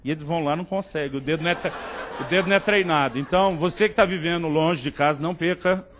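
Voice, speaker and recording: A man's voice: a little high, quick pace. A middle-aged Brazilian man preaching a sermon with a Brazilian Portuguese accent, telling stories with humor and acting out dialogue. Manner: humorous, animated, acts out dialogue. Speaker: pastor. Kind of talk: sermon with storytelling.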